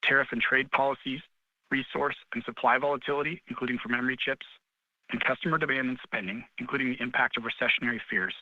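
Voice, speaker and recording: A man reads a scripted corporate disclaimer at a quick pace in a mid-pitched voice. He sounds like an investor relations officer on a call. The recording is dry and a bit dull. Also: steady tone, pushed and bright, dry recording. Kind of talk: scripted legal disclaimer reading.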